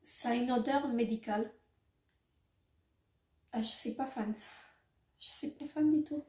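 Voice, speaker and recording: A woman's voice: fairly high pitch, a little slow, dark tone. Hesitant woman unboxing beauty products. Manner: hesitant, many fillers and self-corrections. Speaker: beauty vlogger. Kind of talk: casual unboxing commentary. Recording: roomy echo, faint noise.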